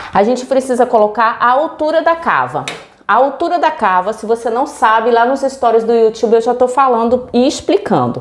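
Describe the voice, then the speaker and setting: Against noticeable background noise, a woman speaks in a high pitch with ordinary pitch variation. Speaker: sewing teacher. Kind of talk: tutorial. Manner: fast.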